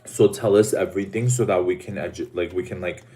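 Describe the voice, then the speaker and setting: A man's voice: sits low, brisk, warm tone, slight background noise. A man hosting a casual livestream, talking in a dramatic, camp way to his viewers while he eats. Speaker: livestream host.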